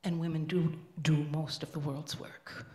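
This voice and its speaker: An older woman in the audience giving an impassioned comment into a handheld microphone at a panel, getting louder and more emphatic. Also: low-pitched, level tone, moderate pace. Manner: emphatic, grows louder and forceful. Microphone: handheld microphone passed in audience. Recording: echoey room.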